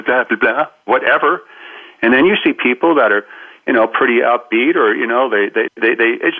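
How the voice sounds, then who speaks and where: Animated man on a phone line. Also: medium pitch. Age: 50s. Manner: animated storyteller, acts out quoted voices. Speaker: guest. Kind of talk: radio interview.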